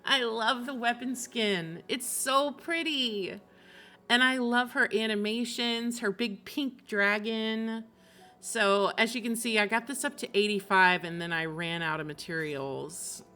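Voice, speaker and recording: Bright-voiced woman streamer, unhurried. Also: fairly high pitch. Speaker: game streamer. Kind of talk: casual livestream chat about games.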